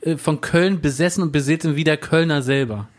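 A man's voice: a little high, brisk. A man co-hosting a casual chat, teasing and throwing in provocative questions. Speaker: co-host.

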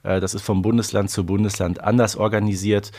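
A man's voice: on the low side, little pitch movement, fairly quick, warm tone. A man in his forties co-hosts a casual podcast. He explains background and guides the conversation along, with the odd "äh" in between. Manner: explanatory, leading the discussion. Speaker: podcast co-host.

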